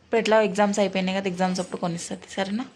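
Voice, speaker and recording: A woman's voice: medium pitch, little pitch movement, a little mellow, a little hiss or hum. A woman, a mother talking with her children at home, scolding and coaxing in turn. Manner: scolding then coaxing, quick. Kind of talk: casual family talk.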